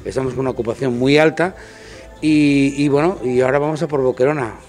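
A man's voice: mid-range voice, fast, darkish tone. A restaurant manager speaking through a face mask, talking up his venue in an upbeat way and often restarting and repeating words. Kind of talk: promotional interview talk. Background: faint music from a DJ.

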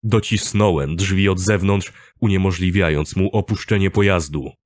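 A man narrating a first-person audiobook in a steady, measured storytelling manner on a close studio mic. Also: sits low, no echo.

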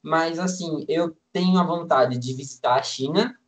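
A man's voice: a little high, normal speed. A nineteen-year-old man, a language student, talking casually on a video call from home, easygoing and enthusiastic, a bit rambling. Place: room at home, indoors. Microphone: computer mic on a video call.

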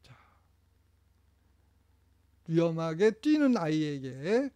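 A middle-aged man giving a training lecture, lively, acting out what parents say. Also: fairly high pitch, drawn-out words, no echo, lo-fi sound. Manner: lively, acts out parent lines.

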